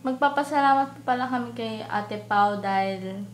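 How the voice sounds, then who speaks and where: A woman's voice: a little high, moderate pace, reverberant, a little hiss or hum. A young woman from the Philippines gushing in a casual fan video message, mixing English with her own language. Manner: cheerful, gushing, mixes English and Tagalog. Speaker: fan sending a video greeting. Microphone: phone or handheld camera.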